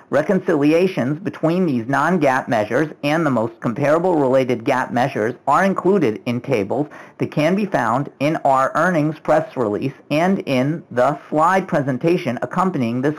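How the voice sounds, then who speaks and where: A medium-pitched voice moderating an earnings call. The speaker reads out a formal legal disclaimer from a script. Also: rough recording.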